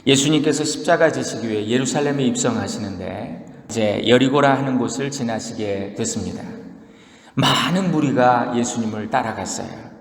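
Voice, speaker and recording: A man's voice: mid-range voice, normal speed, gravelly, roomy sound, long reverb tail. A male pastor preaching a sermon, telling the story vividly and acting out voices. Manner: lively storytelling with acted-out quotes.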